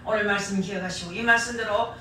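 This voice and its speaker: Female preacher, middle-aged, Gyeongsang accent; bright, punchy delivery with homely humor; distant mic, very echoey sanctuary. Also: medium pitch, steady tone, quick pace, slight background noise. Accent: Gyeongsang Korean. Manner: emphatic, repeats key phrases, folksy humorous asides. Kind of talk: sermon. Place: church sanctuary.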